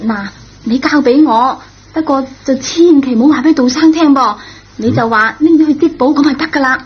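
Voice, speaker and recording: An earnest young schoolgirl, acted by a woman, speaks in a very high, pleading voice. It is radio drama acting, on a dull lo-fi recording. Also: brisk, natural voice. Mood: eager, persuasive.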